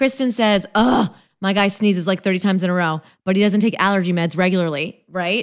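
A woman's animated, medium-pitched delivery at a very fast pace, with ordinary pitch variation. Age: 40s. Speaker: podcast host. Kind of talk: casual solo chat. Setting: home recording.

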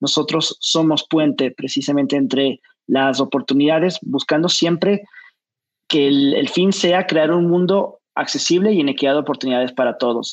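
A man talks at a moderate pace in a fairly high pitch with ordinary pitch variation and very even loudness, a plain, everyday voice. The sound is dry and close, with no echo. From Ecuador. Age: 30s. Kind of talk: interview.

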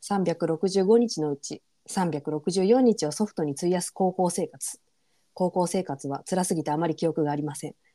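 Her tone is dark and mellow, with a fairly low pitch and ordinary pitch variation. The woman's sound is dry and close, without echo. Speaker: childhood friend of the hosts, former softball player. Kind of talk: casual chat; reading aloud her self-introduction.

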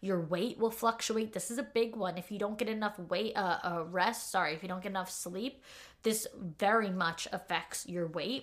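Using a plain, everyday voice, a woman with an American accent talks at a fairly slow pace, with ordinary pitch variation. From Staten Island, New York. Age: 20s. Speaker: podcast host and life coach. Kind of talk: casual advice monologue.

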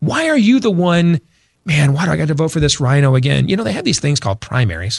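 A somewhat breathy man with an American accent, fairly high in pitch, at a very fast pace. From Michigan, US Midwest. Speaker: talk radio host. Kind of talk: political talk radio.

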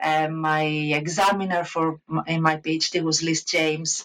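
A woman with a Greek accent speaks in a very deep, low pitch and a monotone, flat intonation, with noticeable background noise behind her. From Greece (Crete). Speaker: art historian. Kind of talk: interview. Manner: hesitant, many fillers.

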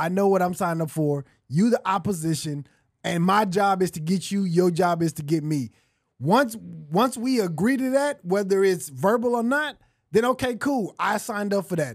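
A man's high-pitched voice with lively intonation on a very clean recording with a silent background. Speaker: podcast host. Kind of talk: heated debate, arguing back with rapid interruptions.

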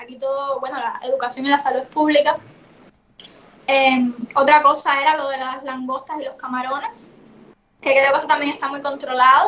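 Loudness swings widely while the intonation stays fairly even, at a moderate pace with long, frequent pauses. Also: woman, high pitch for a woman. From Cuba. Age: 20s. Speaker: youtuber and industrial engineer. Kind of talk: interview.

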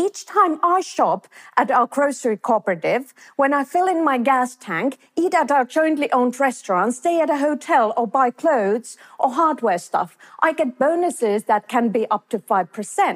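A woman with a Finnish accent, high in pitch with very wide pitch swings, moderate in pace and very even in loudness, in a dry, close sound with no echo. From Finland. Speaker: business professor. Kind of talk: talk to audience.

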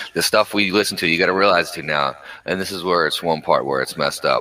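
With a Philadelphia accent, a man speaks with fairly even intonation. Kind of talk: casual chat.

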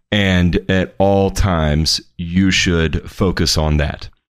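Spoken in a Southern US accent with ordinary pitch variation, the recording is very clean with a silent background. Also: man. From US South, Mississippi/Memphis. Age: 30s. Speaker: podcast hosts' husband. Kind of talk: casual chat.

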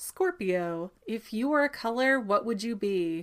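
A woman speaks in an animated tone with ordinary pitch variation. The recording is very clean, with a silent background. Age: 30s. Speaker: YouTuber and podcaster. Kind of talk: casual Q&A monologue.

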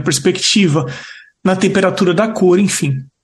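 A high-pitched man with lively intonation. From Santo André, São Paulo, Brazil. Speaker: podcast host. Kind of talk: interview conversation.

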